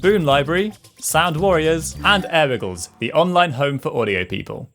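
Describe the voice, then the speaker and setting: A man's voice: a little high, expressive, moderate pace, a bit bright, faint music behind. A man reading an upbeat scripted intro and sponsor list as announcer.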